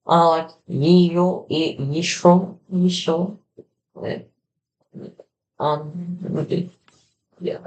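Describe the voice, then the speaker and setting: A livestreamer casually reacting to a video, talking in halting stretches and thinking aloud. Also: mid-range voice, steady tone, a little mellow, a little hiss or hum, low-quality recording. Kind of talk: casual live reaction chat.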